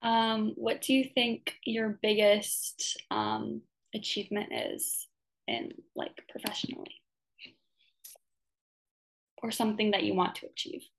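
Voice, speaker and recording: A woman hosting a podcast, with a voice of middle pitch. Her voice carries a gravelly fry, and she asks easygoing questions padded with "um" and "like". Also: takes it slowly, poor audio. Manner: relaxed questioning with fillers. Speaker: podcast host. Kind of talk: casual interview.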